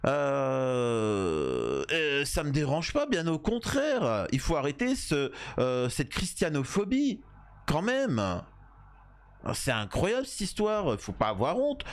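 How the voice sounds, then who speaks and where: A man from France with a French accent comments casually on clips. His voice sits fairly high and swings up and down a lot. He is familiar and opinionated, talking directly to viewers in slang. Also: huge pitch swings, takes it slowly. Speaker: commentator reacting to interview clips.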